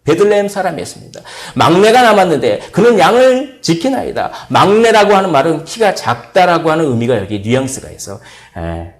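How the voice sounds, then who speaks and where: A man from South Korea preaching a Sunday sermon as pastor, telling the story in a lively way and acting out the voices of the people in it. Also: a little high, fairly quick. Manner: lively storytelling, acts out voices of biblical figures.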